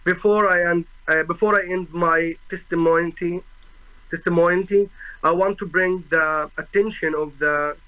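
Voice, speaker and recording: A man in his twenties from Gaza, a native Arabic speaker with an Arabic accent, gives formal testimony before a tribunal. He speaks solemnly and earnestly, halting often to search for words and restarting his phrases. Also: a little high, bright, forceful tone, poor audio. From Gaza, Palestine. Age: 20s.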